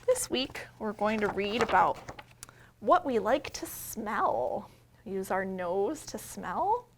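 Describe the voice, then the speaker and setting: A woman's voice: medium pitch, very animated, slow, a little hiss or hum. An American woman, a children's librarian, leading a read-aloud story time with simple explanations addressed to small children. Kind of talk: read-aloud and sing-along for young children.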